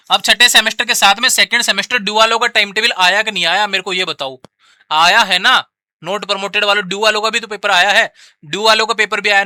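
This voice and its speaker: A man's voice: high-pitched, bright, forceful tone, clear, resonant tone, no room sound. A man explaining exam rules to students in an informal, repetitive way, often calling listeners brother. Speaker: education channel host.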